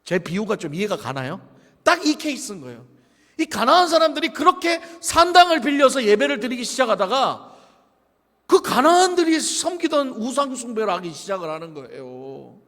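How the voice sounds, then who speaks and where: A man preaching a sermon as pastor, lively and conversational, with humorous asides to the congregation. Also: very high-pitched, normal speed. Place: church sanctuary. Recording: long church reverb.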